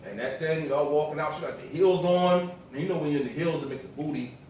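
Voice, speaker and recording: A man's voice: on the high side, fast, darkish tone. American man, echoey and distant. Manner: slangy, repetitive, storytelling. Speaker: vlog co-host, the vlogger's partner. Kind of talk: casual vlog chat. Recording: roomy echo, distant mic, noisy background.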